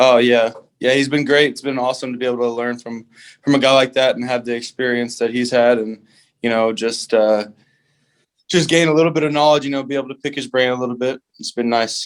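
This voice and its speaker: A man with an Oklahoma accent at a very fast pace, fairly even in intonation. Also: medium pitch for a man. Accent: Oklahoma American. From Oklahoma, US. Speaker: rugby player. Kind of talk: interview.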